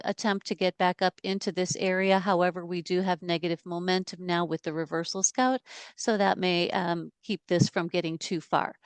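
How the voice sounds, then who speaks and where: A woman walking through stock chart analysis in a measured, steady way with some fillers, speaking on a video call. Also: fairly low pitch, clear, resonant tone, dry recording. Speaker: market analyst.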